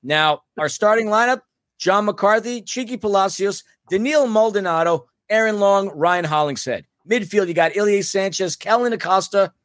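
A man co-hosting a casual sports podcast, rattling through lineups and laughing easily as he trips over names. His voice sits a bit high and sounds close and dry, with no room around it. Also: moderate pace, a bit bright, dry recording. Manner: chatty, laughs often, stumbles over names. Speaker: podcast co-host.

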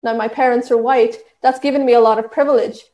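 An Irish woman with a fairly high voice speaks earnestly, teaching in an instructive, steady way, often restarting her sentences and adding fillers. Her voice rings in an echoey room. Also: fast, dull audio. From Ireland. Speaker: diversity and inclusion trainer. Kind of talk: talk at an online session.

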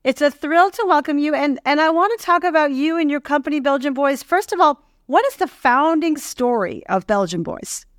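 A woman's voice: high voice, animated, moderate pace, few pauses, no room sound, studio quality. A woman speaking as a podcast host and interviewer. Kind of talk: scripted podcast introduction and interview.

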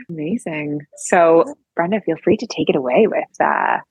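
Deep, husky woman podcast host. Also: normal speed, a little mellow, no echo. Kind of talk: casual interview hosting. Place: outdoors.

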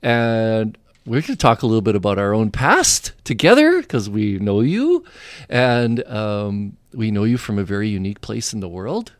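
A man co-hosting a casual podcast interview, animated and laughing. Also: on the low side, normal speed, dry recording, clean studio sound. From Canada. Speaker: podcast co-host.

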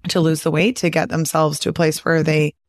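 A woman with a hoarse, raspy voice hosts a podcast, chatty and encouraging, with a fair bit of laughter. Her pitch sits on the low side for a woman. The sound is dry and close. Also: little pitch movement, brisk, no room sound. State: hoarse from a virus. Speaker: podcast host and weight loss coach. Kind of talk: casual podcast monologue.

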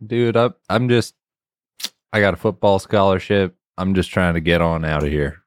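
A man voicing a slacker college jock with a very low, deep voice, drawling lazy casual talk. It is recorded dry and close. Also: steady tone, moderate pace, dry recording, lightly acted. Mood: defiant. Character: slacker young male college football player.

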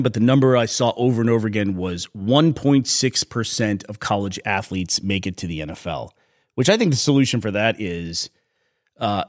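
A middle-aged man hosting a podcast in casual chat, slightly hoarse, explaining things at a relaxed, rambling pace. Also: fairly low pitch. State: a little hoarse. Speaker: podcast host.

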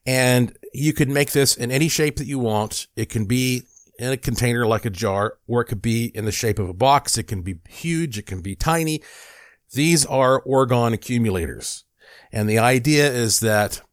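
A man's voice: mid-range voice, no room sound, clean studio sound. A man talking through an explanatory monologue in a conversational way, with occasional fillers and restarts. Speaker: host presenting a product video.

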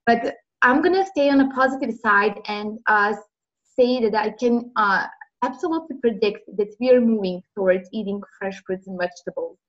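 A woman from Serbia, answering interview questions earnestly with many pauses, heard over a remote call. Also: mid-range voice, highs cut off. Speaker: interview guest.

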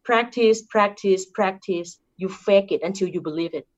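This interview guest, a Thai woman with a Thai accent, offers career advice earnestly and keeps repeating points, often ending with "right?". She speaks in a mid-range voice at a moderate pace over dull audio.

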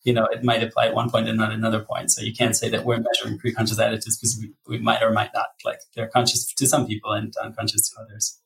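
A man's voice: lowish voice, monotone, fast, gravelly, a bit bright, poor audio. A man being interviewed as a psychology researcher, answering candidly with frequent ums and restarts.

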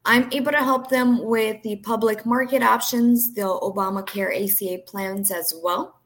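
A young woman from Brazil whose first language is Portuguese, speaking with a New Jersey accent. Her voice sits a little high, and she talks earnestly, filling pauses with "um". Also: fairly even intonation, fairly bright tone. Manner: earnest, frequent "um" fillers. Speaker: health insurance agent, guest. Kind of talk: podcast interview, personal story.

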